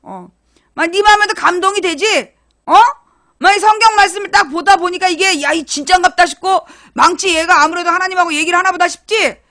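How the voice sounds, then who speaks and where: Blunt, high-voiced woman streamer. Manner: blunt, swears freely and teases listeners; storytelling, animated retelling. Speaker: internet broadcaster. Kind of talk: casual live-stream chat to viewers.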